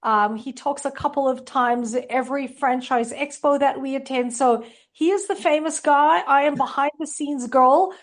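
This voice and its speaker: A woman's voice: high-pitched, moderate pace, hardly any pauses. A middle-aged woman with a South African accent, talking casually about her marketing career as an interview guest, with frequent ums. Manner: chatty, warm-humored, with frequent ums. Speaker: guest, franchise marketing consultant.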